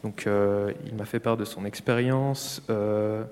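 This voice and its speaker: A man relaying audience questions at a public lecture, halting and full of fillers. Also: fairly low pitch, fairly even intonation, a little mellow. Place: lecture hall. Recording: reverberant hall.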